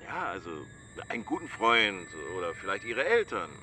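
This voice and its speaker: An actor playing a dismissive, evasive therapist in an audio drama, patronising and hemming. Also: male voice, lowish voice, big pitch swings, moderate pace, pushed and bright, slight background noise. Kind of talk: German audio drama acting. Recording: music behind the voice.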